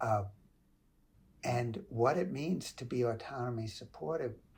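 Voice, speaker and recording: Speaking at a fairly slow pace, a man uses a medium-pitched, somewhat breathy voice. He talks in a New York accent. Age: 60s. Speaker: psychology professor. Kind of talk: casual interview conversation.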